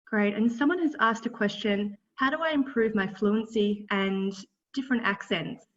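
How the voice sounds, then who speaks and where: Tasmanian woman moderating a webinar, distant mic. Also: mid-range voice. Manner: brisk, reads out questions. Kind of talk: reading out audience questions. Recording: dull distant webinar audio.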